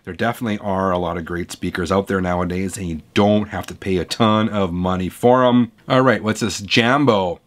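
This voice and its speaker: Hoarse man chatting in a record room. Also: deep voice, a little fast, hardly any pauses. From Canada. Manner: chatty, opinionated, animated. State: hoarse from a cold. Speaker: vinyl channel host. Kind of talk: casual reading of viewer comments. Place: home record room lined with shelves of vinyl. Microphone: camera close up at desk.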